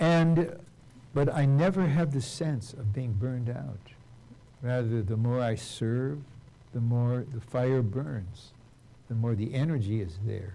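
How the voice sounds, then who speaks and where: Audible room echo surrounds a man with a dark, mellow tone and a medium pitch. He talks fairly slowly and somewhat breathily, with lively intonation and long, frequent pauses. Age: 80s+. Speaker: church speaker. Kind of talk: sermon.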